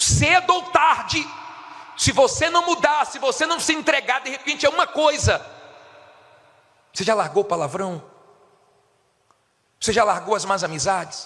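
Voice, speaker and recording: At a moderate pace, the voice is raised and projected, bright and sharp in tone, animated, with very wide pitch swings and long, frequent pauses. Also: man, extremely high pitch for a man. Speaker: bishop preacher. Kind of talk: sermon.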